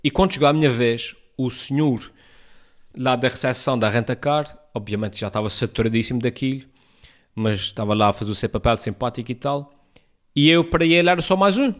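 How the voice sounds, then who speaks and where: A podcast host with a São Miguel Azorean accent talks in a loose, chatty way. He rambles, restarts his sentences and scatters fillers as he answers a listener. His pitch sits at an ordinary middle height for a man. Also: fairly quick. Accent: Azorean Portuguese, São Miguel. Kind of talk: casual chat answering a listener message.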